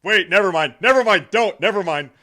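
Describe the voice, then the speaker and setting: A man's voice: high-pitched, expressive, a little fast. A man streaming a reaction video, making blunt, crude, mocking comments in casual chat.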